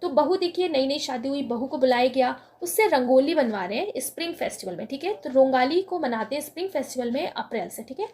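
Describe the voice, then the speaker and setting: A woman's voice: sits high, animated, quick pace, hardly any pauses, darkish tone. A woman teaching a lesson on memory tricks, explaining step by step and answering her own questions.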